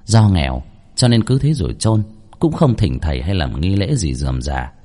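A man narrating a ghost story in a dramatic, expressive storytelling manner. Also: sits low, normal speed.

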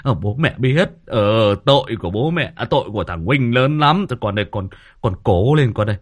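A man's voice: expressive, brisk, natural voice. A man voicing a meek husband and in-laws, pleading and apologising to soothe her. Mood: placating. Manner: placating, low and soothing.

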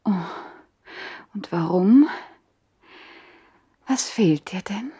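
A woman's voice: medium pitch, animated, very slow, warm tone, slightly rough, heavily acted. An actress playing a bold, flirtatious woman, with a teasing, theatrical manner, in a 1960s radio play. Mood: teasing, curious.

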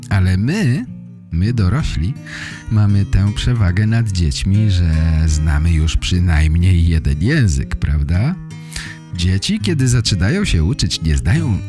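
A man hosting a language podcast addresses learners in measured, clearly phrased speech broken by short pauses. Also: deep voice. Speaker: language podcast host and teacher. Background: guitar music.

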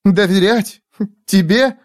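A man voicing a fierce, sharp-tongued young woman in a storybook reading, mocking and commanding. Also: slow pace. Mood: scornful. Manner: mocking, commanding, shrill when angry.

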